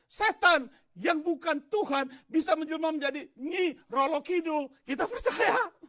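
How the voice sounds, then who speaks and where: A man from Indonesia, a pastor, preaching a sermon in an animated way, rising into shouts and turning aside to talk to the congregation. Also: extremely high pitch, a little slow. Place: church.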